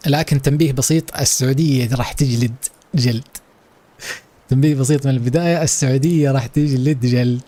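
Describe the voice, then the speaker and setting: A man's voice: medium pitch, dark tone. A man with a Saudi Arabic accent hosting a live esports watch-along stream, hyping it up and chatting playfully with his viewers.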